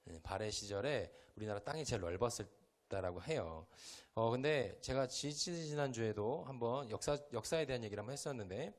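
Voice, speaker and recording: A young male pastor from Chungcheong, South Korea, delivers a conversational sermon to a youth group in a church hall, quizzing his listeners as he goes. His voice sits at a medium pitch, with lively intonation and a fairly quick pace.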